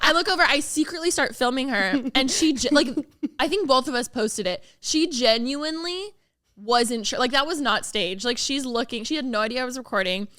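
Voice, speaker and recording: A woman's voice: sits high, a little fast. A young woman co-hosting a podcast, telling stories in casual chat and laughing often. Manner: bright, storytelling, laughs often. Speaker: podcast co-host.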